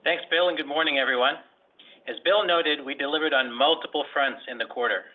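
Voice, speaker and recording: A man reading scripted financial results as a company executive, in a formal, measured business manner. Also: on the high side. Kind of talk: scripted earnings call presentation. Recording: phone-like conference call line.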